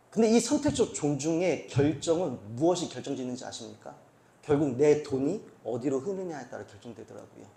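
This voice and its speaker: A man's voice: fairly high pitch, creaky, warm tone. A male senior pastor preaching at a church retreat, telling stories and asking the congregation rhetorical questions. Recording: roomy hall echo.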